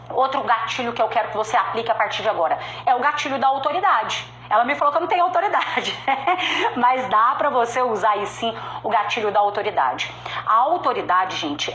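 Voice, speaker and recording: A woman's voice: fairly high pitch, a bit bright, a little hiss or hum. Emphatic Brazilian woman giving a sales talk. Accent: strong regional Brazilian accent. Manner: emphatic, direct, repeats key points. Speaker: sales speaker. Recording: echoey room with faint ambience.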